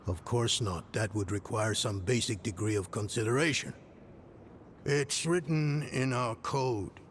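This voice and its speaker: An actor playing a grumpy, sarcastic old scholar of arcane lore in a game cutscene, with dry exasperation. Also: male voice, fairly low pitch, slight background noise, exaggerated voice. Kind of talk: dramatic video game cutscene acting. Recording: music behind the voice.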